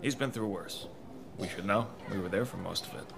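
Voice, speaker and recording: An actor playing a suave, unflappable seasoned crimefighter with an urbane, understated manner in a 1940s-style radio drama. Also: male voice, low voice, brisk, vocal fry, noisy background. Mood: wry, assured. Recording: busy crowd murmur behind.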